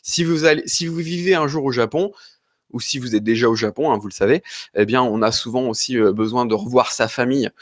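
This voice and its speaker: A man's voice: medium pitch, a little fast, no room sound, studio quality. A man from France hosting a live question-and-answer stream, talking in a rambling, hesitant and apologetic way while a little ill with an occasional cough. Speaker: host answering viewer questions.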